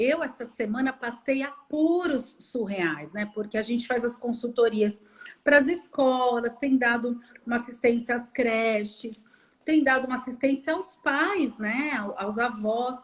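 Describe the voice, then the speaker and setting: A woman's high-pitched voice with a São Paulo accent, a fairly slow pace, and ordinary pitch variation. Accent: drawn-out paulistano accent, S. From São Paulo city. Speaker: pediatrician. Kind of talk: casual chat on live stream. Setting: Instagram live video.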